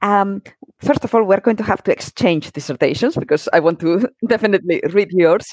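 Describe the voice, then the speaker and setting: A woman with a plain, everyday voice speaks fairly quickly at a medium pitch and very even loudness, in a dry, close sound with no echo. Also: lively intonation. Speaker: podcast host. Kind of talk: casual chat.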